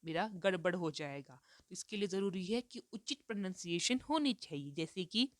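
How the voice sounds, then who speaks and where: A woman's voice: lowish voice, lively intonation, normal speed, no echo, studio quality. A woman teacher lecturing on reading skills, explaining step by step and asking herself rhetorical questions as she goes. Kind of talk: Hindi lecture mixed with English terms.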